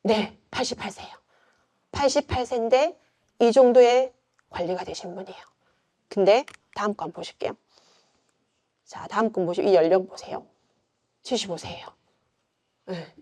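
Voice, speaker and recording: In a casual, conversational lecture, a middle-aged yoga instructor with a Gyeongsang accent keeps tossing out rhetorical questions and fillers. Her voice is warm and medium-pitched at a normal speed, and she pauses often.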